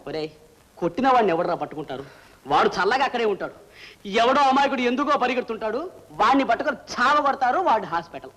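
A man's voice: very high-pitched, very animated, fast, fairly bright tone, exaggerated voice. An actor playing a hapless comic sidekick who tells his misfortunes as a rambling comic story, in 1960s film comedy dialogue. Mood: sheepish.

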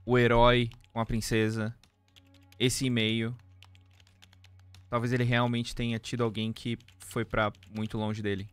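A man's voice: mid-range voice, little pitch movement, unhurried, pauses often, smooth. A man in his thirties with a Brazilian accent, giving casual playthrough commentary, musing aloud and reading out screen text. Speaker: game streamer.

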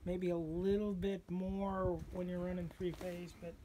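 A man's voice: sits high, level tone, measured pace, warm tone, slight background noise. A man explaining his sawmill outdoors in a plain, hesitant way with many fillers. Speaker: sawmill owner. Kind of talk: casual explanation.

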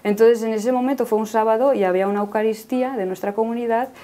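A woman's voice: on the high side, steady tone, quick pace, warm tone. A woman in her thirties telling her personal faith story in earnest conversation. She often ends phrases with a questioning "no?". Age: 30s. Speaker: guest giving a faith testimony.

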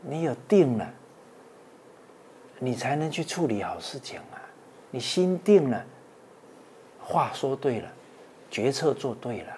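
A man, a Buddhist monk, giving a dharma talk with many drawn-out "ah" and "oh" fillers, earnest and exhorting. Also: mid-range voice, sing-song, dark tone, a little hiss or hum.

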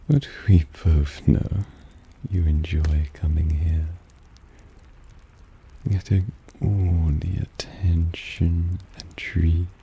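Suave, possessive vampire played by a man for ASMR roleplay: very mellow, extremely unhurried, teasing and doting, faint rain behind. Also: low voice, creaky, exaggerated voice. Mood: smug, coaxing. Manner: slow, purring, condescendingly affectionate. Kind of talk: ASMR roleplay addressed to the listener. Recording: rain ambience noise behind voice.

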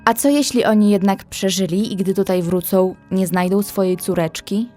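An actress playing a young female survivor, caring and anxious, narrating a horror audio drama in measured, emotive storytelling. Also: medium pitch, mellow, soft background music, natural voice. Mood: concerned, curious.

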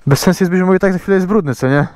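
A man's voice: high voice, very fast, dry recording, clean studio sound. A man talking casually to viewers while riding a motorcycle outdoors, filmed on a rider-mounted camera. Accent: Polish. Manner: chatty, addresses viewers directly. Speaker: motovlogger. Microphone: helmet or chest camera mic. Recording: loud engine and wind noise. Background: loud engine and road noise.

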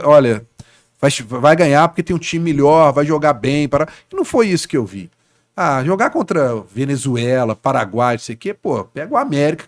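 A man's voice: a little high, no echo. A man from Brazil, a sports journalist guest on a casual podcast, telling stories animatedly and tagging his sentences with little asides. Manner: animated storyteller, frequent "né, cara" tags.

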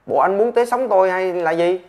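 A man voicing a stern male doctor who scolds a patient in brisk, exasperated bursts. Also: fairly high pitch, loud music behind the voice, lightly acted.

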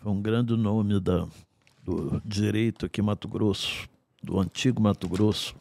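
A man in his sixties, a guest in a podcast studio, telling stories from his life in an unhurried, wry way with dry asides. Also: on the low side, steady tone, creaky, darkish tone. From Brazil. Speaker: guest singer-songwriter. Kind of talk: storytelling in a podcast interview. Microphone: studio mic on a stand.

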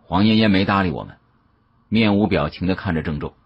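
A man narrating an audiobook as a dramatic storyteller, with an expressive, suspenseful delivery and a husky voice. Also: low voice, fairly quick. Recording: dull, muffled audio.

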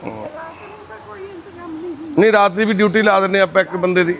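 A man with a fairly high voice speaks softly and kindly, doing the rounds of a shelter and chatting with each resident. He comforts and reassures the people he greets. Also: steady tone, moderate pace. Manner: gentle and reassuring, calls women mother and sister. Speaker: charity volunteer visiting residents. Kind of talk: casual chat with care-home residents. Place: indoor shelter for destitute people.

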